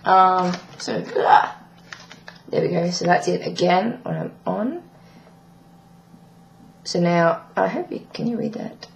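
A young trans man with a croaky, breaking voice, giving a rambling video diary update with many ums. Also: sits high, takes it slowly, long pauses, echoey room, slight background noise. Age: young adult. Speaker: vlogger. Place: small bedroom indoors. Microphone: webcam at desk.

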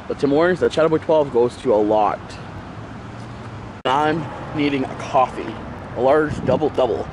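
A man's voice: mid-range voice, moderate pace, pauses often, noisy background. A man, congested from a cold, rambling casually to a handheld camera as he walks around town. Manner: rambling, chatty, many fillers. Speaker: vlogger. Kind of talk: casual vlog talk to camera. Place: bedroom, outdoors on streets, in a store. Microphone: handheld action camera at arm's length.

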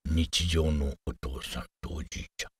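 A man's voice: a bass voice, fairly even intonation, normal speed, slight background noise. An older man, a voice actor plainly announcing items on a demo reel.

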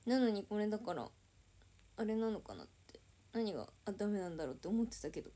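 A woman's voice: mid-range voice, expressive, fast, dark tone. A young woman idol chatting casually on a livestream, reading and answering viewer comments.

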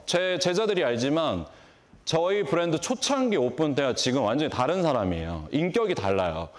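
A man giving a motivational lecture on stage, throwing rhetorical questions at the audience and answering them himself. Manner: lively, swooping delivery with sudden pitch jumps. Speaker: hairdressing instructor and brand owner. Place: large conference stage before an audience.

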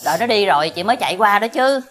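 A woman's voice: mid-range voice, lively intonation, rapid-fire, a bit bright, lightly acted. An actress playing a worried middle-aged neighbor woman with a Southern Vietnamese accent, consoling a friend. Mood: concerned. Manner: lamenting, sympathetic. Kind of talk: TV crime reenactment drama.

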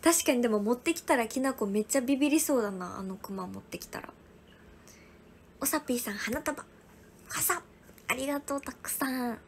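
High-voiced young woman, soft and whispery. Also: lively intonation, brisk, long pauses, a little hiss or hum. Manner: soft, often whispery, thanking viewers one by one. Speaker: livestream host. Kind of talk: casual livestream chat reading viewer gifts.

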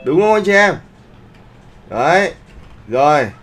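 Faint music plays behind an online art instructor whose voice is on the high side, sing-song and a bit bright. He takes it slowly during his live class, frequently asking whether students are keeping up, and speaks with polite particles.

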